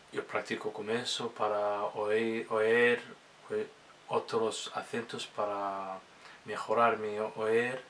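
In a casual vlog, a male speaker whose native tongue is Somali speaks haltingly as a learner, frequently restarting what he says. His voice is on the low side and a bit bright, with a little hiss or hum.

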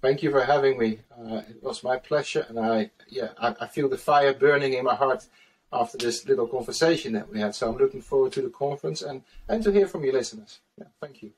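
A man's voice: medium pitch, a little fast, a little hiss or hum. A man in his forties with a Dutch accent, speaking earnestly as a guest on a video-call interview with frequent "uh" fillers. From Netherlands. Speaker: guest, solution-focused trainer. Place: small room at home. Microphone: webcam mic on video call, from a distance. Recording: distant webcam mic.

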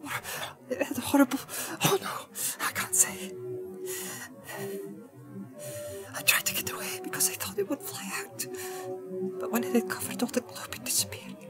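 A man voicing a frightened, haunted young hobbit in a storybook, breathy and hesitant, stammering as he speaks. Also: fairly even intonation, normal speed, few pauses, over loud music. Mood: haunted, fearful. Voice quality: breathy, shrill at peaks.

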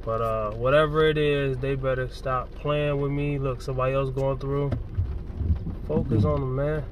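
A man's voice: mid-range voice, flat delivery, moderate pace. A man vlogging while he drives, talking casually to himself and grumbling about the other drivers. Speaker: fitness vlogger. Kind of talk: casual driving commentary. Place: car in the rain. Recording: distant phone mic with rain noise. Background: rain and traffic noise.

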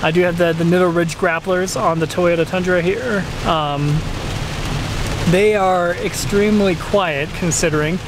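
A man's voice: high voice, fairly even intonation, unhurried. Chatty man driving through heavy rain. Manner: chatty, rambling with many fillers and restarts. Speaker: car channel host. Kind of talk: casual POV driving vlog. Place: inside a pickup truck driving in the rain. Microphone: camera mounted in the cab. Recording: rain drumming on the truck. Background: rain and road noise.

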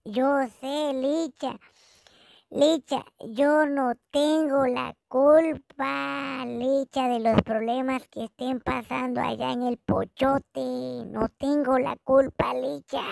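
A hoarse woman acting out a comic phone call, dramatic, keeps repeating the other person's name and drops into whispers. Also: high voice, fairly even intonation, extremely slow, darkish tone, no echo, clean studio sound. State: hoarse, claims lost voice. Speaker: comedy vlogger. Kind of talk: comic one-sided phone call sketch.

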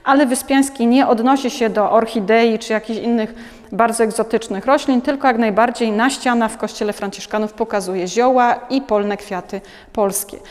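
A woman's voice: fairly high pitch, a little mellow, in a large hall. A woman in her forties, a museum curator, giving an unscripted gallery talk with frequent hesitations and restarts, recorded on a lapel mic. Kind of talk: gallery talk about artworks. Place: large museum gallery, indoors.

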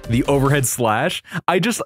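A young man giving casual, excitable reaction commentary on game videos, slangy and sweary. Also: medium pitch, moderate pace. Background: faint music.

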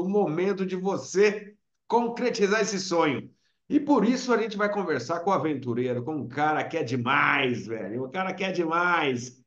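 A man's voice: high voice, echoey room. Salesy host, middle-aged man, dull lo-fi video-call sound. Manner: upbeat, salesy, emphatic. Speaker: agency host interviewer. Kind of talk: casual video-call interview. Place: small room indoors. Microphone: webcam on video call.

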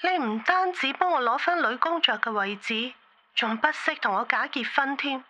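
A woman's voice: sits high, normal speed, bright, forceful tone. A woman with a Cantonese accent playing an indignant, accusing duchess in an audio drama, scolding dramatically. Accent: Hong Kong or Guangdong Cantonese.

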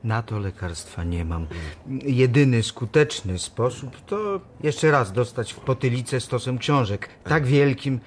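An actor playing a matter-of-fact pharmacist with dry humour in a radio drama, speaking casually. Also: male voice, medium pitch, lively intonation, unhurried, slight background noise, close to an everyday voice. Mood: wry.

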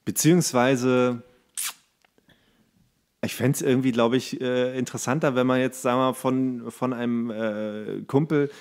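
A man's voice: medium pitch, steady tone, measured pace, darkish tone. Casually rambling man, podcast chat. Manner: rambling, thinking aloud, with English slang mixed in. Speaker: podcast host.

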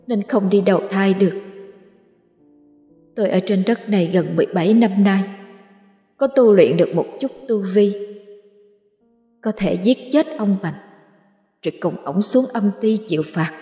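A woman voicing the ghost of a young servant woman who was wronged, speaking softly, tearfully and eerily. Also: medium pitch, normal speed, pauses often, reverberant, big-room sound, soft background music, close to an everyday voice. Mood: mournful. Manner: soft, tearful and eerie, with unsettling laughter.

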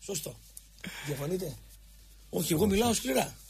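A man's voice: high voice, animated, gravelly, darkish tone, breathy edge. A Greek man hosting a radio talk show, ranting heatedly and hammering the same points again and again at his co-host. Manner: impassioned, repetitive, jabbing at a co-host.

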